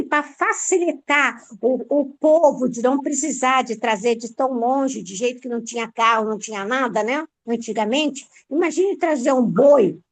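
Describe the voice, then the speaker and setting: A woman with a fairly high voice speaks in a Bible study group, halting and searching for her words. The sound is dry and close. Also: no room sound, low-quality recording. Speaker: church member asking a question.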